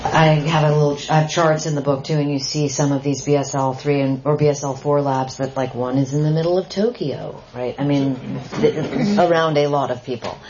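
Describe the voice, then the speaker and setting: A woman's voice: low voice, fairly quick, few pauses. A woman author answering audience questions at a bookstore talk, earnest and conversational, with trailing restarts. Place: bookstore event. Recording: muffled with steady hiss.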